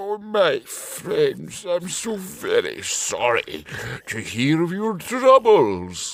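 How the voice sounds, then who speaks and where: A man puts on a wheezy character voice and speaks at a very slow pace. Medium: read story. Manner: ingratiating.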